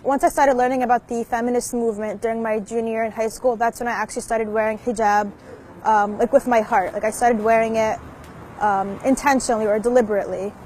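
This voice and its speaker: A young woman who speaks in a reflective, measured way about her personal choices. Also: on the high side, fairly even intonation, a little mellow, slight background noise. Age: young adult. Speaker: university student interviewee.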